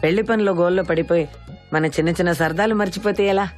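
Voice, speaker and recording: An actress playing a sly, fun-loving, card-playing relative in a Telugu film comedy, with a coaxing manner. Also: female voice, on the low side, fast talker, faint music behind, lightly acted.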